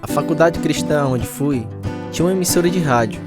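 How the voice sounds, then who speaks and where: A man acting as an earnest, troubled young Bible college student who tells his story in a measured, confessional radio drama style. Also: a little high, lightly acted. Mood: reflective. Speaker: narrator and lead actor. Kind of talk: dramatized first-person radio testimony. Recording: music under the voice.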